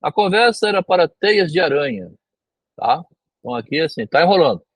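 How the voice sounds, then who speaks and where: Husky Brazilian man lecturing. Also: a little high, sing-song, fairly quick, dry recording, poor audio. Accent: Brazilian Portuguese. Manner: rereads phrases and paraphrases them, often tagging "né?". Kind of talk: reading a literary text aloud and explaining it.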